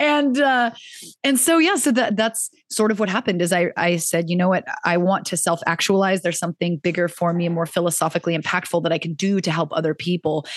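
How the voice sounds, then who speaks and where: A woman with a fairly low pitch, very fast delivery and lively intonation against a quiet background. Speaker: scientist and author. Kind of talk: casual interview conversation. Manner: fast, staccato delivery.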